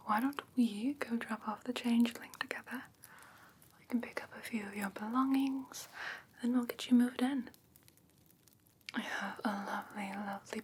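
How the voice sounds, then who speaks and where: A woman playing a doting, slightly haughty fae creature in a soft, breathy ASMR whisper, gentle and genteel with coaxing endearments. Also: a little high, a little hiss or hum. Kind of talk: whispered ASMR fantasy roleplay.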